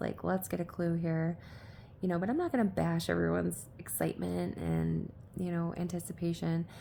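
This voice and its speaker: A soft-spoken woman at a moderate pace. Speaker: lifestyle vlogger. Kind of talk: casual storytelling monologue. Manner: hesitant, many fillers.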